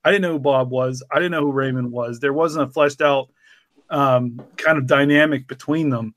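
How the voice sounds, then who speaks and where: A man's voice: mid-range voice, moderate pace, a bit bright, dry recording. A man co-hosting a podcast, chatting casually and explaining things in an informal way. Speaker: podcast co-host and show writer. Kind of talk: casual behind-the-scenes chat.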